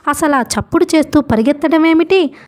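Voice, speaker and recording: Woman doing a shrill scolding old schoolteacher. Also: brisk, darkish tone, natural voice.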